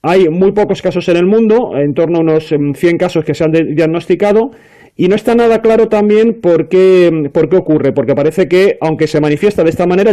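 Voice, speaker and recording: Panelist, man, high voice, mellow tone, chatty and explanatory. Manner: explanatory, many fillers and restarts. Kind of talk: casual panel discussion.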